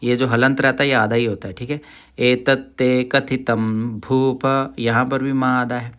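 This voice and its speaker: A man leads an online lesson in Sanskrit recitation. He chants lines slowly, stretching each syllable so learners can follow. Between verses he slips into quick, plain explanation. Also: medium pitch, little pitch movement, fairly bright tone.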